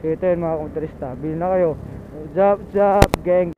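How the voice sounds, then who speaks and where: In a dull, lo-fi clip full of loud engine and traffic noise, a Filipino motorcycle vlogger chats informally with viewers from his bike. His voice is high-pitched and steady in tone, and he talks fairly quickly, often repeating short phrases.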